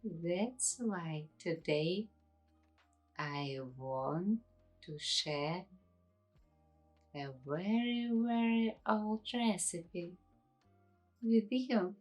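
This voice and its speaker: Female ASMR meditation guide, slightly low register, extremely slow and hushed delivery with long pauses, soft music behind. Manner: hushed, unhurried, with long pauses between short phrases.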